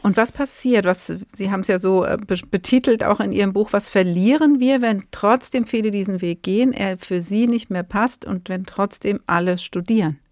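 A woman hosting a radio interview who asks measured, probing questions. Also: medium pitch, darkish tone, no room sound. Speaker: radio host.

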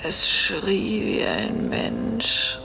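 An actress playing a haunted, guilt-ridden innkeeper's wife in a radio drama, terrified and pleading in halting fragments. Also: female voice, low-pitched, big pitch swings, creaky, over music, heavily acted. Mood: horrified, anguished. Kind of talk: German radio drama acting.

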